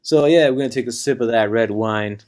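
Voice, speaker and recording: A man's voice: mid-range voice, fairly quick, darkish tone. A young man from Florida, raised in Puerto Rico, hosting an unedited solo podcast and telling a story in a rambling, profane, self-deprecating way. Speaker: podcast host.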